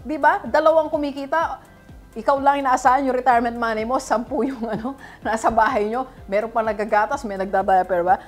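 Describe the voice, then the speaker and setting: A woman's voice: on the high side, fairly quick, faint music behind. A Filipino woman, a financial coach, giving a motivational talk in a chatty way and often checking in with her listeners. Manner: lively, chatty, rhetorical "di ba?" and "alright?" checks.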